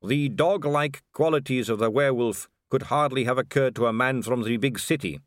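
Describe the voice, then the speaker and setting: A man's voice: medium pitch, moderate pace, dry recording, clean studio sound, pitched above the performer's own voice, lightly acted. A man voicing an evasive male town official in an audiobook, speaking in a careful, distant, rehearsed way. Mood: guarded. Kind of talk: audiobook character reading.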